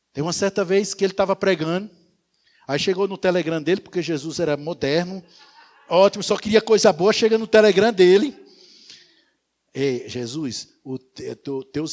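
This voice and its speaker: A high-pitched male voice with lively intonation and long, frequent pauses. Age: 50s. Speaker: pastor. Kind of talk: sermon.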